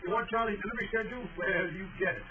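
Actor as a high-voiced, blustery small-town fellow. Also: male voice, racing, a crowd in the background, natural voice. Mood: hearty, impressed. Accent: American. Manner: blustery, folksy. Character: brusque small-town man, gruff then heartily friendly. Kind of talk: 1940s radio drama acting. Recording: dull, distant old radio, very noisy background.

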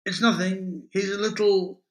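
A man's voice: high-pitched, steady tone, unhurried, reverberant, voice pushed up. A man voicing a wry young American man with an American accent, dry and joking. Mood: placating.

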